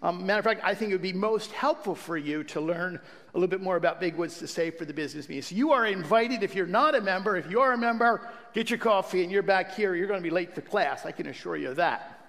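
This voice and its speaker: A man's voice: high-pitched, fast. A man speaking as pastor to his congregation, welcoming them and leading a prayer. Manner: warm pastoral address with fillers and restarts. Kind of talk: church sermon introduction and prayer. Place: church sanctuary. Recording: church hall reverb.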